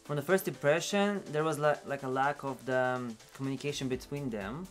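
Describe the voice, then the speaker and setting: Male drag host, mid-pitched, reacting casually. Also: brisk, soft background music. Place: small indoor studio set.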